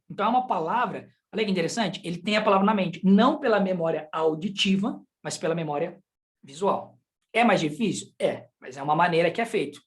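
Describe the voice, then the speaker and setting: A man with a Brazilian Portuguese accent teaching a sign language class in a conversational way, often checking in with the students through rhetorical questions. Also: high voice. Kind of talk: live online class.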